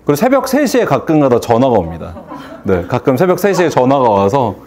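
Animated man giving a motivational talk. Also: medium pitch, brisk. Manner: animated, rhetorical questions, acts out phone calls. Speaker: hair salon owner giving a speech. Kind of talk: motivational speech to an audience.

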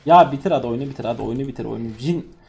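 A young man giving live gameplay commentary, ranting in exasperation and swinging between loud yells and low grumbles. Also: rapid-fire, vocal fry. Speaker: gaming streamer.

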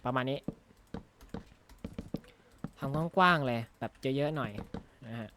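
A man's voice: medium pitch, takes it slowly, noisy background. A man talking casually while he plays a video game, joking and thinking aloud with frequent tag words, recorded on a close desk microphone at a gaming desk. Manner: rambling, jokey, thinks aloud with frequent "na ha" tags. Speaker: gaming YouTuber. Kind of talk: casual Minecraft let's-play commentary. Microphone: close desk mic.

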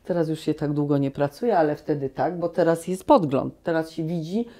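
A woman in her sixties, a guest actress, recalling her life in a relaxed, animated way full of restarts, in a small cozy room on a lapel mic. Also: sits low, a little fast, a crowd in the background. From Poland. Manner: animated storytelling with many restarts. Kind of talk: relaxed reminiscing conversation.

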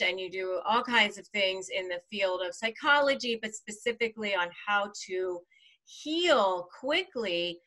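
A woman in her forties hosting an interview show over a video call. Her voice is bright and forward, and her manner is effusive and enthusiastic. She is recorded on earbuds in a small room. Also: medium pitch.

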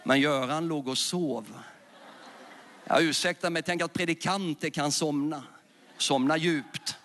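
A man's voice: high voice, fairly bright tone. A man preaching in a large church, telling a story with fervour and calling the congregation to raise their hands. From Sweden. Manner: fervent, storytelling, calls to the audience. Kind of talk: sermon with altar call.

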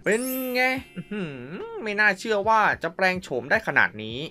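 A man's voice: high-pitched, sing-song, moderate pace, pushed and bright. A man hosts a gaming video with playful running commentary. His intonation swings widely and he exclaims often. He throws in wows and little mouth-made sound effects as he plays.

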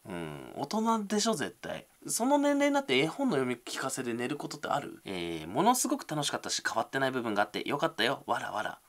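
A man's voice: medium pitch, huge pitch swings, quick pace, few pauses, fairly bright tone. A young man, reading viewer comments aloud on a casual livestream and answering them with self-deprecating, mumbled asides.

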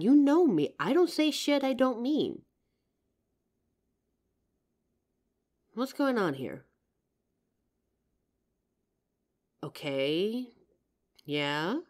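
A woman acts out a protective, affectionate girlfriend in an intimate audio roleplay. She takes her time over the words, and her pitch moves in lively swings. The manner is tender, earnest and a little teasing. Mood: earnest, probing. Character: loving, protective girlfriend reassuring her partner. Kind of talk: intimate comfort roleplay, ASMR acting.

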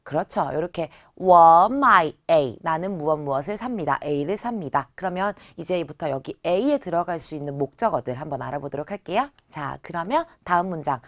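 A woman in her thirties teaching a beginner Chinese lesson, who stretches out model words slowly and says them louder for practice. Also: low-pitched, animated. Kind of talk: online language lesson.

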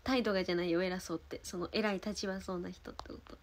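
A woman's voice: fairly low pitch, fairly even intonation, fast talker, slight background noise. Chatty young woman with Osaka lilt. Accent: Osaka Kansai. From Osaka, Japan. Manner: chatty, thanks viewers between stories, soft murmured asides. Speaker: idol livestream host. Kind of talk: casual livestream chat.

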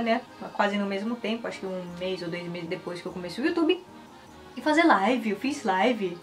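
A woman, chatting casually and animatedly to the camera in a rambling way. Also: on the high side. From Japan. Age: 20s. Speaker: YouTuber and Japanese teacher. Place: small indoor room. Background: background music.

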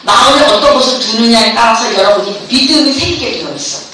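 A middle-aged woman pastor delivers a fervent sermon to students at a camp, having them repeat after her. Her voice is a little high, fast, bright and forceful. The recording was made in a large, echoey hall with a distant mic and background noise.

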